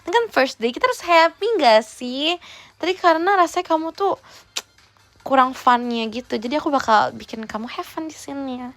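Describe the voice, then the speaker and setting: A woman's voice: sits high, expressive, fairly quick, fairly bright tone. A young woman, chatting teasingly in a playful role-play livestream and dropping in English words. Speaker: idol livestreamer.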